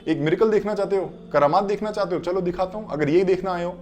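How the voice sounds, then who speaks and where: A man's voice: high-pitched, close to an everyday voice. A man doing a wry old sage. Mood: teasing. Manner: commanding, loud when ordering. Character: wry old male sage, calm, teasing.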